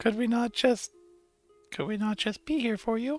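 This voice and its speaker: A man does a put-on character voice at an extremely high pitch. Faint music plays in the background. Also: moderate pace. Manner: cute, comforting.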